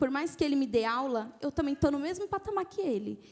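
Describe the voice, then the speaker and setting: A woman is speaking here. Her voice sits high in pitch. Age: 20s. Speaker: art educator. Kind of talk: panel talk. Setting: stage with audience.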